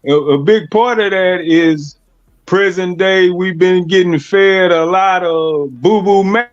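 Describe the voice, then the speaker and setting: A man's voice: sits high, slow pace, muffled recording. A man talking in a casual chat over a remote video call, his audio breaking up and cutting out, trailing off and restarting his phrases. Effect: choppy, breaking-up video call audio that cuts out and freezes. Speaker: boxing podcast panelist.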